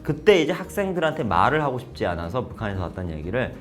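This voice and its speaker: A man's voice: medium pitch, fast talker, soft background music. A young man from North Korea talking casually to camera, telling stories with acted-out quotes. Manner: lively storytelling with acted-out quotes. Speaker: vlogger.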